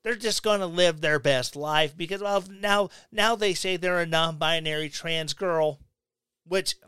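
A man's voice: a little high, unhurried, pushed and bright, clear, resonant tone, dry recording, studio quality. A man from Missouri hosting a podcast, delivering a blunt opinionated rant with sarcastic asides. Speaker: podcast host. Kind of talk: opinionated monologue.

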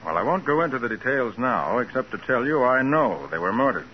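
An actor playing a cool, daring private detective with an American accent, confident and unruffled in 1940s radio crime drama style. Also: male voice, mid-range voice, big pitch swings, fairly quick, natural voice. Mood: businesslike. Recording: dull, noisy 1940s radio recording.

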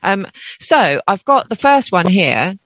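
A woman's voice: medium pitch, sing-song, slow, fairly bright tone, no echo. A woman co-hosting a podcast in casual chat, reading out a listener email and laughing often. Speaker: podcast co-host.

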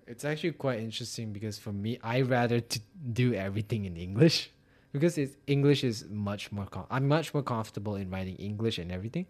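Chatty young Malaysian man, lowish voice. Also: darkish tone. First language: Chinese. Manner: chatty, filler-heavy, quick to laugh. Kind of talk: casual conversation.

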